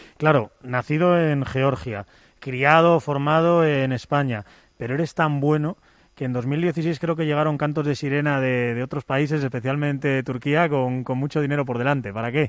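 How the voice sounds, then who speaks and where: Over a quiet background, a man with an unremarkable speaking voice talks at a moderate pace, his fairly high pitch paired with fairly even intonation. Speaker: sports podcast host. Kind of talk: interview. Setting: training gym.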